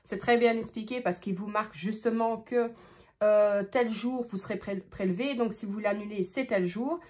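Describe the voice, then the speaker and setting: A woman's voice: medium pitch, normal speed, warm tone. A woman with a Belgian French accent, chatting casually to her viewers while counting out her budget, thinking aloud with many fillers. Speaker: budgeting vlogger. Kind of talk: casual talk to camera.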